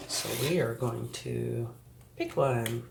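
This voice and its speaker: A woman reads tarot cards for her viewers in a slow, unhurried way, with a gravelly edge to her voice. She sounds a little sniffly and keeps checking in with reassuring little asides. The room around her is echoey, with faint noise and cards shuffling in the background. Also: extremely low pitch. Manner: reassuring, addresses the viewer directly, frequent "okay" and "right". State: sniffly from a recent flu. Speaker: tarot reader.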